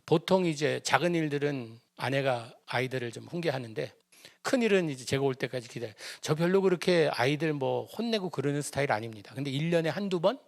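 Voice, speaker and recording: A middle-aged male pastor telling a family story in a sermon, animated and humorous, acting out the voices of the people in it. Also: fairly high pitch, brisk, vocal fry, no echo, clean studio sound. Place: church prayer service.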